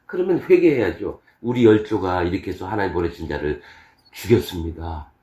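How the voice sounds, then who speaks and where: Animated male pastor preaching in an echoey church. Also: low voice, fairly quick. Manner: animated, acts out scripture voices with laughs and shouts. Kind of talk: sermon.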